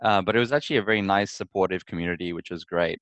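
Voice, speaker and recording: A young man from Perth, Australia, answering interview questions in a friendly, relaxed way and repeating words as he thinks. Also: low voice, rapid-fire, dry recording, lo-fi sound. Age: young adult. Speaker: interview guest, startup founder. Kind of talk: conversational interview.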